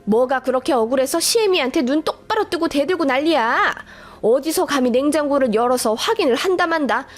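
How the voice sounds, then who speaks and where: A woman's voice: high voice, animated, fairly quick. A woman voicing a harsh, scornful older mother-in-law who scolds sharply. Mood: contemptuous.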